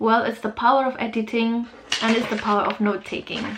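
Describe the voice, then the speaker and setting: Noticeable noise fills the background while the woman speaks with a fairly high pitch. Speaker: psychotherapist and podcast host. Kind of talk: casual podcast monologue, Indonesian-English code-switching. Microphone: laptop with poorly compatible mics, messy audio.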